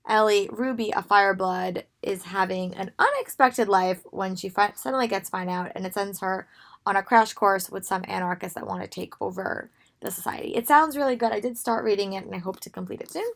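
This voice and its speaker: A young woman who has lost her voice, sounding hoarse and strained, chatting casually and rambling with many pauses about books she wants to read. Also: medium pitch. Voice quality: gravelly, strained. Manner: rambling with frequent ums. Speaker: book vlogger. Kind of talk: casual book haul talk.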